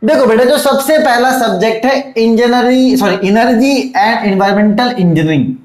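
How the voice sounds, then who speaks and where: A male teacher giving an online lecture to students, coaxing and fatherly, often pausing to check "okay?" and "look". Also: very high-pitched, reverberant, poor audio. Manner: repeats checks like "theek hai" and "dekho".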